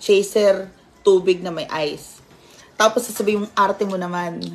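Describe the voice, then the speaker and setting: An animated woman at a moderate pace, with noticeable background noise. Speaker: vlogger. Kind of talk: livestream chat reading viewer comments.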